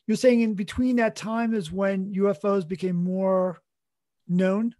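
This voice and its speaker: A man's voice: high-pitched, fairly even intonation, measured pace, dark tone. A man co-hosting a cartoonist podcast in casual chat, earnest and rambling, correcting himself mid-sentence.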